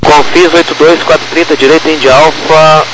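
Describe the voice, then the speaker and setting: A man's voice: on the high side, fairly even intonation, normal speed. A man with a Brazilian accent giving clipped ground control instructions over a crackly two-way radio. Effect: crackly two-way aviation radio. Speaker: airport ground controller giving taxi clearances. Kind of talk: clipped aviation radio phraseology. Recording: crackly, noisy air traffic radio.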